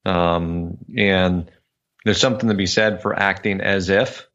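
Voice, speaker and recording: A man in casual conversation, speaking thoughtfully with many pauses and fillers. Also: deep voice, steady tone, a bit bright, lo-fi sound. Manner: hesitant, lots of fillers.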